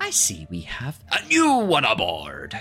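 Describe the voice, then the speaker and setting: In a put-on character voice at a low-to-middle pitch, someone speaks at a fairly slow pace over faint music in the background. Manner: clever, curious.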